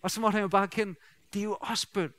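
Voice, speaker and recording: A middle-aged man preaching a sermon in a lively, conversational way, joking and asking the congregation rhetorical questions. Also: high voice, dry recording. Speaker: pastor.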